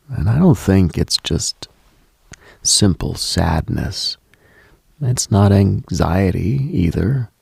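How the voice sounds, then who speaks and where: Slow, gravelly low-voiced late-night male host. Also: no room sound, studio quality. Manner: hushed, contemplative, with long pauses between short phrases. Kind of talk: intimate late-night monologue in soft ASMR-like delivery.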